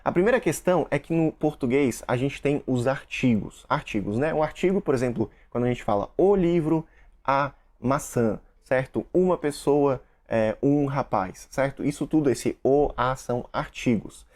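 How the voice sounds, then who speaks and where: A man's voice: mid-range voice, normal speed, darkish tone. Russian-born man chatting casually to camera. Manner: chatty, explains with examples and asides to viewers. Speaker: Russian teacher and content creator. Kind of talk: casual explanatory vlog.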